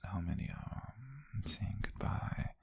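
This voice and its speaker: A man voicing a tender, flirtatious witch on a date in an ASMR roleplay, with a British accent and a soft, breathy, gravelly whisper. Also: low voice, level tone, heavily acted. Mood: wistful, tender. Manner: soft, intimate, slow and hesitant.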